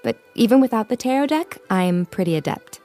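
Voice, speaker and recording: An actress playing a playful, confident young psychic tarot reader in an audio comedy, with an American accent and a teasing, dryly amused manner. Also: female voice, mid-range voice, expressive, fairly quick, mellow, faint music behind, lightly acted. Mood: assured. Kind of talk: audio drama comedy acting, conversational.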